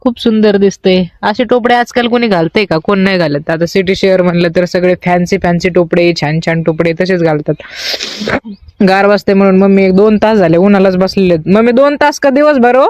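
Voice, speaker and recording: A woman's voice: brisk, darkish tone, no echo, highs cut off. Chatty village woman with a stuffy nose. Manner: chatty, coos at the baby in a high voice. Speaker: family vlogger. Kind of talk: casual vlog narration. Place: outdoors on a family farm.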